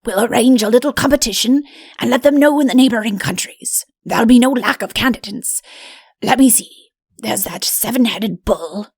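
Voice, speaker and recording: A woman's voice: on the high side, a little mellow, husky, no echo, clean studio sound. A woman voicing a middle-aged fairy-tale king in an audiobook, a doting father who blusters and rambles self-importantly. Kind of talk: audiobook character voice.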